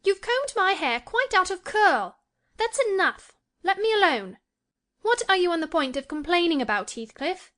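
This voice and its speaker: Woman putting on a petulant spoiled teen girl, high voice, swooping lively intonation. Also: moderate pace. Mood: peevish. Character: peevish spoiled teenage girl.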